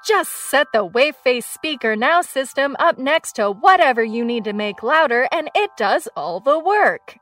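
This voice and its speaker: A woman acting as an ad pitchwoman, speaking loudly through a cheerleader megaphone in an upbeat sales pitch. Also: lively intonation, a little slow, few pauses, recorded from a distance.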